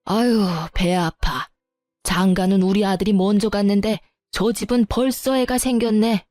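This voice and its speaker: A woman's voice: medium pitch, fairly even intonation, unhurried, a little mellow, no echo, soft background music, lightly acted. A woman voicing a scornful, nagging middle-aged mother-in-law who sighs and belittles. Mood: sneering. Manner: sighing, sneering, belittling.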